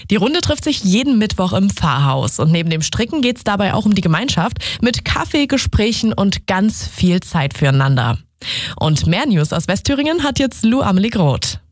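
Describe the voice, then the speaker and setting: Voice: medium pitch, big pitch swings, normal speed, no room sound. A radio presenter hosting a regional news show, chatty and upbeat, talking straight to the listeners from the studio. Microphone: studio microphone.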